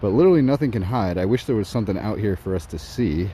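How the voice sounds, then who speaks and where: A man reviewing gear in a casual night vlog, walking outdoors in a suburb and talking excitedly about what he sees. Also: lowish voice, quick pace, slight background noise. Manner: excited, narrating while walking. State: slightly out of breath.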